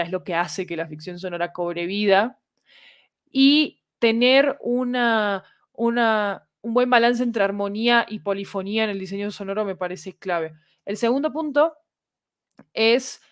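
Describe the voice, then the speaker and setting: A woman appears as an interview guest, an audio fiction creator who lays out her ideas articulately, one point after another. Her voice is medium in pitch, and the studio sound is clean with no echo.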